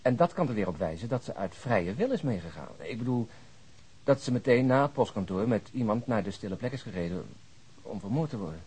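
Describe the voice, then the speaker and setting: An actor playing a brooding, analytical investigator in a radio drama, reasoning in a husky voice. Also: male voice, on the low side, sing-song, a little fast, darkish tone. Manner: reasoning step by step.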